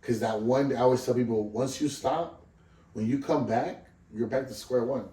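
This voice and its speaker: A man's voice: medium pitch, moderate pace, warm tone. Laid-back rambling man, roomy and distant. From Southern California. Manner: laid-back, rambling, swears freely, lots of "you know what I mean". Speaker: guest musician. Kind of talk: casual interview chat.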